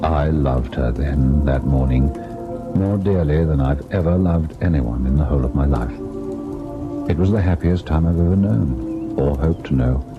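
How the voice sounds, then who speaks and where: An actor playing a devoted, sorrowful husband in an old-time radio ghost drama, measured and tender in his delivery. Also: rumbling low, lo-fi sound, loud music behind the voice. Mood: wistful, grave. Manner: measured, melancholy narration, tender and indulgent in dialogue. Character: devoted husband recalling a haunted, sorrowful tale.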